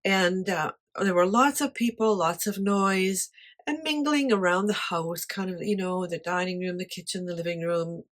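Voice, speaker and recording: A woman with a quiet voice talking casually to camera about her life, light-hearted and honest in manner. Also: lowish voice, normal speed. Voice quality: quiet voice that does not carry. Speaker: artist sharing life advice.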